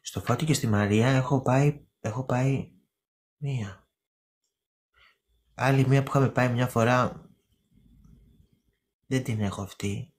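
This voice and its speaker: A woman's voice: a bass voice, a little mellow. A woman hosting a casual live stream, chatting and gossiping with her viewers, calling them by name and repeating words for emphasis.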